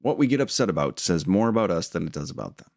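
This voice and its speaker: A man giving an earnest, reflective spiritual teaching in an informal way, pausing often with fillers. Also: deep voice, very animated, creaky, a little mellow, no room sound, clean studio sound.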